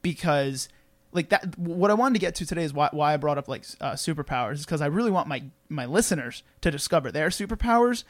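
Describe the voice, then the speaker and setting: A man's voice: a little high, expressive, fast talker, no echo. A man hosting a podcast in casual chat, swearing freely and laughing as he tells stories. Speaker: podcast host.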